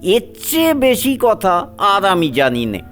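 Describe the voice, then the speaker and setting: A man's voice: high voice, huge pitch swings, measured pace, fairly bright tone, exaggerated voice. A man playing a wronged, upright elderly head of a household in a dramatised story, speaking solemnly and with emotion. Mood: indignant, solemn. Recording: music behind the voice.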